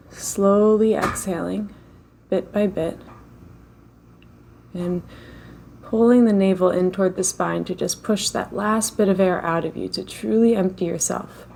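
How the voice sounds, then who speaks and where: A woman leading a slow guided meditation in a gentle, unhurried way, with long pauses between phrases. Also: medium pitch, creaky, slight background noise.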